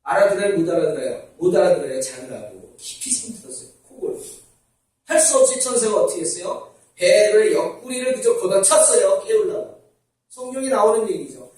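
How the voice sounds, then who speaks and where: Heard from a distance in a very echoey church sanctuary, a male pastor delivers a sermon in a high-pitched, sing-song voice with a darkish tone. He talks a little fast, putting questions to the congregation and then answering them himself.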